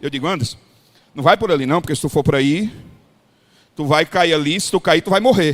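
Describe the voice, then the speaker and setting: With a Ceará accent, a man speaks at a fairly quick pace and fairly high pitch, with ordinary pitch variation, long, frequent pauses, and a dry, close sound with no echo. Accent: Brazilian northeastern, Cearense. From Ceará, Brazil. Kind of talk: casual storytelling.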